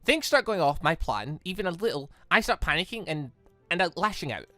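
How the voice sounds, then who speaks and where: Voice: mid-range voice, sing-song, brisk, bright, forceful tone, dry recording, faint music behind. A gaming host voicing a flustered, haughty, short-tempered teenage heiress in an anime game, stammering and scolding. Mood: nervous, earnest.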